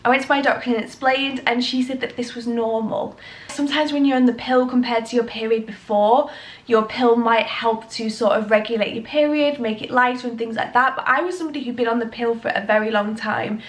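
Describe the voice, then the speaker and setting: A woman's voice: on the high side, steady tone, fairly quick. A young woman with a British accent, talking chattily to camera and sounding nasal from a cold. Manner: chatty, rambling, reassuring. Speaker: health vlogger. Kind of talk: casual talk to camera.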